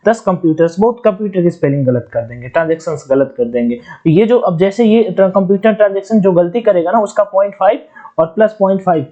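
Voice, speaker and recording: Young man, online tutor, high-pitched, mellow tone, chatty, step-by-step explanations, dull lo-fi audio. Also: animated. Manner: chatty, explains step by step, dictates slowly letter by letter. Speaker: exam coaching teacher.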